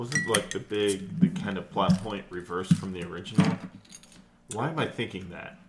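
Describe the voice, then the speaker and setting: A man's fairly low voice at a moderate pace, with very wide pitch swings, big swings in loudness and noticeable background noise. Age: 30s. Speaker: podcast host. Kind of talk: casual chat.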